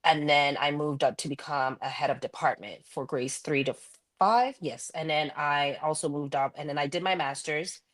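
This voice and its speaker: Woman, low pitch, guest educator, earnest, reflective, frequent ums. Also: steady tone, moderate pace. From Ghana. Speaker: guest, school vice principal. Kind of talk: interview answers, candid personal story.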